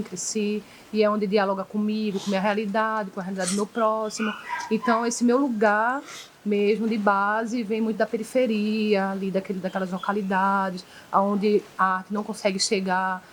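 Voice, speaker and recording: A young woman from the Recife area speaks with a Pernambuco accent, pausing and restarting as she reflects on her roots. Her pitch sits in an ordinary middle range. A faint hiss runs under the recording. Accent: Pernambuco Portuguese. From Recife area, Brazil. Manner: thoughtful, many restarts and "né". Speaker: graffiti artist guest. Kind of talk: casual interview answers. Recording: faint background noise.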